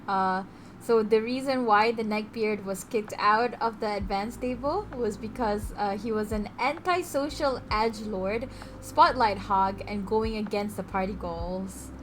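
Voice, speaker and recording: A woman's voice: medium pitch, a little slow, slight background noise. A woman co-hosting a tabletop gaming podcast, upbeat and giggly, running the show's segments. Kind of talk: casual chat.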